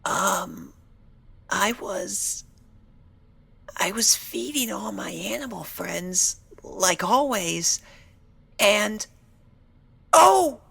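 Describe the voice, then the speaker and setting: A woman voicing a timid, anxious, sickly young female pony, soft-spoken and hesitant, in an audio storybook reading. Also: mid-range voice, animated, dry recording, exaggerated voice. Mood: alarmed. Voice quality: breathy, husky whisper-prone voice. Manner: hesitant, halting, apologetic.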